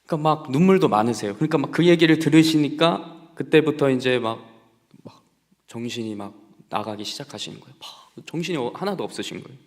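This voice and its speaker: A young adult man, a pastor, delivers a sermon in a church sanctuary with a mid-range voice that's animated and a little fast. He speaks conversationally, telling stories and putting questions to the congregation, and the hall's long reverb trails after him.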